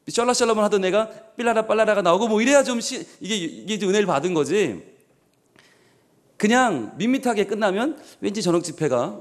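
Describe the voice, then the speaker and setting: Lively animated Korean pastor, man. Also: fairly high pitch. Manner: animated, jokey, acts out quoted voices. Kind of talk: sermon with personal storytelling. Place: church.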